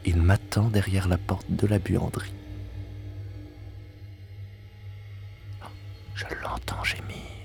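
An actor playing an obsessive, vengeful widower in a French audio-drama monologue, solemn, grandiloquent and deliberate, often sinking into breathy whispers. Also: male voice, low-pitched, little pitch movement, a little mellow. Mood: brooding, wistful. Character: obsessive, vengeful widower, grandiloquent, haunted by his lost wife. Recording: binaural recording with music.

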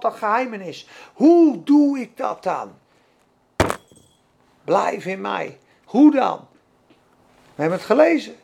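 A woman preaching a sermon with fervent emphasis, asking her own questions and answering them, swinging between soft and loud. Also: sits high.

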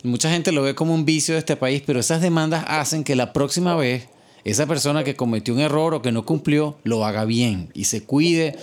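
A man's voice: on the high side, fairly quick. A man hosting a radio interview, hesitant, with many restarts. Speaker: host.

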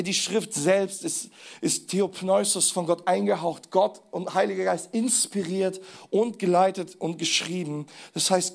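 High, gravelly-voiced male pastor preaching. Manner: lively preaching with vivid everyday comparisons. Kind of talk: sermon. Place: church service.

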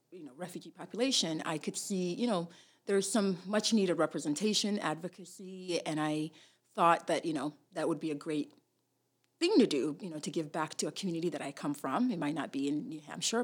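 A woman from Somalia and Tennessee with a husky voice, telling her story casually as an interview guest. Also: low-pitched. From born in Somalia, grew up in Tennessee, US. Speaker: interview guest, immigration lawyer.

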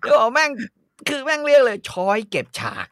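Animated, profane man ranting. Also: very high-pitched, brisk, no room sound, studio quality. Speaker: co-host. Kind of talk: casual podcast chat.

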